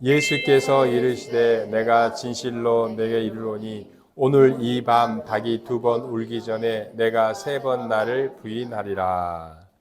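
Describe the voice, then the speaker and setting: A middle-aged man preaching a sermon as pastor, emphatic and lively, leading the congregation in call-and-response chants. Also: medium pitch, slow pace, few pauses, music in the background.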